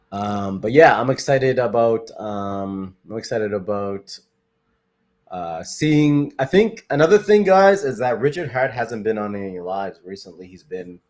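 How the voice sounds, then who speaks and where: A young man from Canada hosts a casual livestream, his voice sitting low and deep. He talks in an upbeat, rambling way, circling back on his phrases and padding them with fillers as he reads out viewer comments. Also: darkish tone. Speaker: crypto livestream host.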